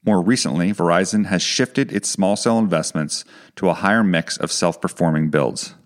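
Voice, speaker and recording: A man working as a financial analyst reads a scripted report in a formal, measured manner. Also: low voice.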